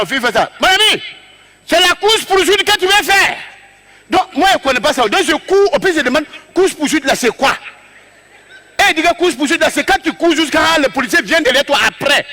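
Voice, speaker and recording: A man with a West African French accent doing an animated comic story on stage, acting out scenes and jumping between shouts and low asides. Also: quick pace. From Togo. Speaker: stand-up comedian.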